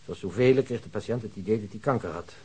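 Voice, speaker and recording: An actor playing a self-assured hospital doctor in a Dutch radio drama, explaining things in a measured, pedantic way. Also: male voice, on the low side, darkish tone, breathy edge. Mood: clinical, assured.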